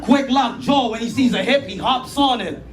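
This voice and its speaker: A man from the Philippines performing battle rap, hurling rhymed insults and sometimes shouting them. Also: extremely high pitch, normal speed, crowd noise. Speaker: battle rapper. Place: live battle venue. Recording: echoey room, noisy live audio.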